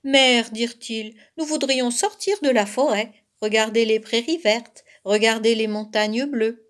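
A woman voicing two greedy young male bear cubs who whine and bicker in a shrill voice. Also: a little slow, lightly acted. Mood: eager. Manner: shrill and whiny.

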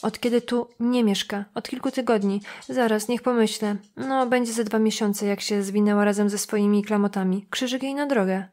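A woman's voice: mid-range voice, fairly even intonation, moderate pace, few pauses, a little mellow, close to an everyday voice. A cocky, defiant woman of about thirty, voiced by a female reader, raising her voice a little above the narration. She mocks and snaps back with easy contempt, as heard in a storybook reading. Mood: brash, mocking. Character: brash sharp-tongued woman around thirty.

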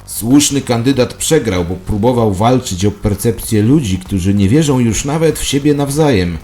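A man's voice: medium pitch, lively intonation, moderate pace, warm tone, faint music behind, pitched above the performer's own voice, lightly acted. A man voicing a solemn, doctrinaire conspiracy ideologue preaching emphatically in a satirical audio drama. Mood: grave, insistent.

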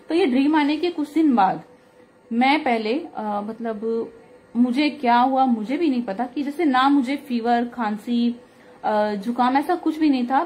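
A woman in her thirties with a slightly hoarse throat, telling a devotional testimony in an earnest, chatty way with many fillers, recorded at home on a phone close to her face. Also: fairly high pitch, darkish tone, a little hiss or hum. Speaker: satsang speaker. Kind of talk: devotional singing then testimony talk.

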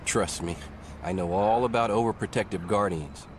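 A young masked hero with a dry, unhurried way of talking, played by a man. His voice sits very low. Faint street noise hums behind him in this motion comic. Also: lightly acted. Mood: wry.

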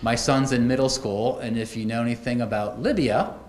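A man's voice: mid-range voice, a little fast, a little mellow. Middle-aged man speaking in echoey hall. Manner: conversational storytelling with asides. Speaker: keynote speaker. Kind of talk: conference keynote talk. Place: conference auditorium at a podium. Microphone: podium microphones. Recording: echoey auditorium, faint noise.

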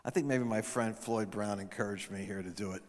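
A middle-aged man telling stories from a stage, preaching into a handheld mic and building up to shouted proclamations. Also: lowish voice, fairly quick. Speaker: guest speaker. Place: large event hall stage. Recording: long hall reverb.

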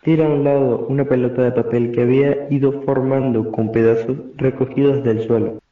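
Narrator: young Argentine male, mid-pitched, reading stage directions, dull roomy recording. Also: fairly even intonation, a little fast. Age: teenager or young adult.

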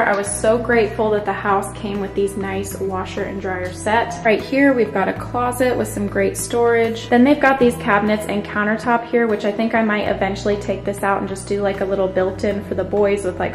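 Female home vlogger, upbeat casual tour delivery, mid pitch, reverberant empty-house sound with music underneath. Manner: upbeat, enthusiastic. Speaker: home renovation vlogger and host. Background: background music.

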